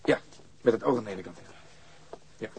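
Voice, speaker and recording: Terse, low-voiced police detective. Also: male voice, animated, moderate pace, a little hiss or hum. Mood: intent, methodical. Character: brisk, sardonic, thorough male police detective. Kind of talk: radio drama acting.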